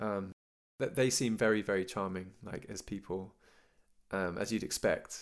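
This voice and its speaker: A man with a British accent talks at a moderate pace, his fairly low voice keeping a fairly even intonation. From UK. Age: 40s. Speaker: singer-songwriter. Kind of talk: interview. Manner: halting, many fillers.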